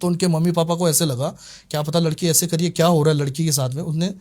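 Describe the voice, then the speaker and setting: A man's voice: on the high side, fast talker. A man in an interview, animatedly retelling an exorcism case and voicing the people in it. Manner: animated retelling, voices other people's lines. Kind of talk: storytelling interview.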